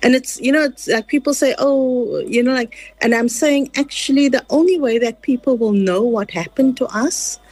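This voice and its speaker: A woman's voice: high-pitched, moderate pace, hardly any pauses, darkish tone, poor audio. A woman whose first language is Afrikaans, speaking with a South African Afrikaans accent, talking earnestly as a writer in an interview, with many fillers and restarts. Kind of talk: casual conversational interview.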